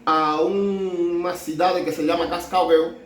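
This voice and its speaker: A Cuban man tells his story in a high voice, stopping and restarting as he slides between Spanish and Portuguese. He sounds a little distant from the mic, in an echoey room. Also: fairly even intonation. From Cuba. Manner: halting, mixing Spanish and Portuguese, many restarts. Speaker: doctor telling his story. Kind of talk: casual storytelling.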